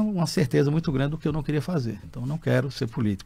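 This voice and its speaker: A very fast, lively-sounding man with a fairly high pitch, a dark, mellow tone and a somewhat breathy quality. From Brazil (early childhood in Algeria). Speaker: company executive. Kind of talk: podcast interview, life story.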